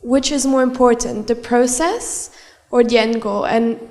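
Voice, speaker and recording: A woman's voice: fairly high pitch, fairly even intonation, darkish tone. Student woman asking a question. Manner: measured, uses filler ums. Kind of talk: prepared audience question.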